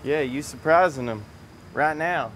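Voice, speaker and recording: The audio is poor as a transmission mechanic, bright-toned and fairly high-pitched, speaks at a measured pace. He's making a video under a lifted truck at an auto repair garage, keeping up folksy, casual shop talk with viewers. Clear garage noise sits behind him, captured by a camera a few meters away.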